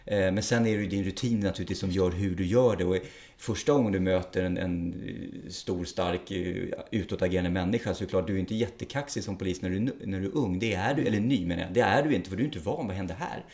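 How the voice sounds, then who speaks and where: A man's voice: sits low, darkish tone. A middle-aged man, a police officer, speaking frankly and plainly in an interview, with some swearing. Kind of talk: interview conversation.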